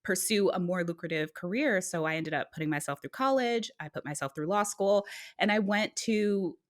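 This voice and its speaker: A middle-aged woman, born in Guyana and raised in the US, guesting on a podcast and telling her life story in a casual, animated way. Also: on the low side, normal speed. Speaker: guest author. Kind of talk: conversational podcast interview.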